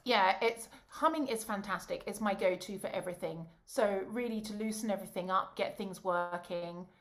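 A woman, an opera singer and voice coach, chatting in a bubbly, animated way and laughing often over a video call. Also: medium pitch, moderate pace. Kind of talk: casual chat.

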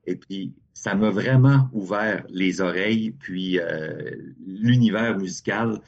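A husky, fairly low-voiced man in his forties, speaking. He tells stories in a relaxed way and often restarts his sentences. The sound is muffled and lo-fi. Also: slow pace. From Hearst, Ontario. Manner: relaxed storytelling, frequent restarts. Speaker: guest, radio music director. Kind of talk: casual podcast conversation.

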